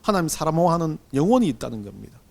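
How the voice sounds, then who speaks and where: A middle-aged man preaching a Sunday sermon as pastor, swinging between loud and hushed delivery. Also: fairly high pitch, very animated, quick pace, vocal fry. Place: church sanctuary.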